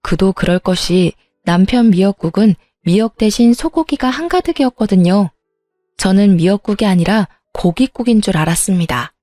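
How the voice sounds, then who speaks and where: A woman narrating a dramatized story in a calm, steady manner and voicing herself in it. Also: mid-range voice, moderate pace, no echo, faint music behind.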